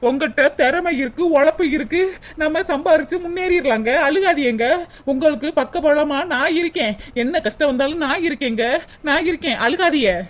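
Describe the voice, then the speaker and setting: A woman voicing a devoted young cartoon wife who gently soothes and reassures her husband. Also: high-pitched, normal speed, close to an everyday voice. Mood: comforting. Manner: soothing, pleading.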